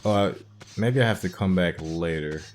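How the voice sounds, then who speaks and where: Low-voiced man musing through a game. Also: moderate pace, a little hiss or hum. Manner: thinking aloud, musing and hesitant. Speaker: gaming channel host. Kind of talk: casual video game playthrough commentary.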